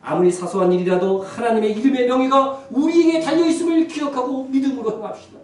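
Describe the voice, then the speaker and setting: High-voiced pastor preaching in an echoing church. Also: male voice. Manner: emphatic exhortation that swells to loud appeals. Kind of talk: sermon. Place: church sanctuary. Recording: echoey church hall from far off.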